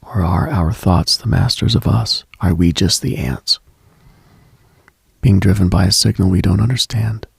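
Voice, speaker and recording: A man hosting a late-night mystical radio monologue in a hushed, musing, ASMR-like way, with frequent pauses and a husky, breathy, gravelly voice. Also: low-pitched, no room sound, studio quality. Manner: hushed, musing, pausing often.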